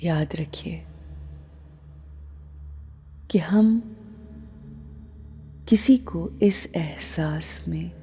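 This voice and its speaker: A woman with a low, creaky voice leads a guided meditation over music. She speaks extremely slowly and calmly in short phrases, leaving long pauses and letting the endings turn soft and breathy. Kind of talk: slow spoken guided meditation with spiritual reflections.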